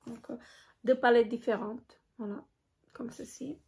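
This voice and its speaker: A woman chatting casually in a show-and-tell vlog, hesitant with many filler pauses. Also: on the high side, steady tone, gravelly. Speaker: beauty vlogger.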